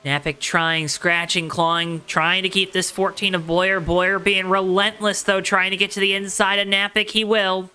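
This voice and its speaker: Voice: medium pitch, flat delivery, normal speed, few pauses, sharp tone, clear, resonant tone. A motorsport commentator calling a race live, with dramatic, emphatic repetition and colorful phrasing. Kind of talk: live play-by-play racing commentary.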